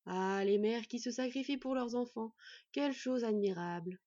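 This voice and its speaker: A woman reading an audiobook, voicing a huge sly black male wolf who speaks in a honeyed, mocking, slow and deliberate way. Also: medium pitch, animated, warm tone, dry recording, lightly acted. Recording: dry, slightly dull recording.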